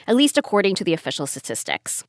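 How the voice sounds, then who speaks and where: A woman with a mid-range voice and animated intonation co-hosts an explainer podcast, speaking in an engaged way. The sound is dry and close. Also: medium pitch, quick pace, dry recording. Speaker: podcast co-host. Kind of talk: conversational explainer.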